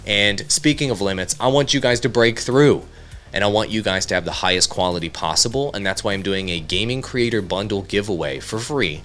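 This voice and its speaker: In his home studio, a male content creator hosts a casual software tutorial, addressing viewers directly through a studio mic in an upbeat, conversational style. His voice is fairly low and he talks fairly quickly.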